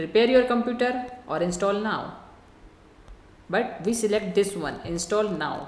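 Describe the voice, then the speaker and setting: In a non-native accent, a woman with a fairly high pitch speaks at a fairly slow pace amid noticeable background noise and audible room echo. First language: not English. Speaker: online course instructor. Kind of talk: tutorial.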